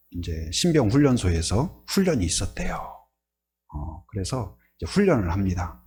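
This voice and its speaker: A male pastor preaching a sermon, animated, often putting questions to the congregation. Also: lowish voice, a little hiss or hum.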